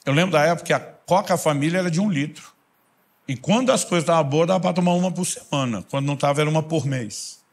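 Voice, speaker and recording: A man with a Brazilian Portuguese accent, preaching a storytelling sermon that swings between loud bursts and hushed intensity. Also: mid-range voice. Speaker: pastor.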